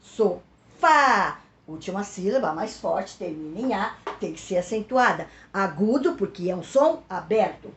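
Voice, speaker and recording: A woman teacher with a São Paulo Brazilian accent explains a lesson for pupils slowly and patiently, repeating key words and checking in with her listeners. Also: mid-range voice, animated, reverberant. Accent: Brazilian Portuguese, São Paulo.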